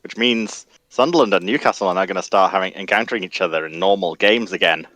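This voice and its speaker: A man's voice: low voice, fast, fairly bright tone, dry recording, low-quality recording. A man from England, chatting casually as a co-host on a live stream. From North East England. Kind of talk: casual chat.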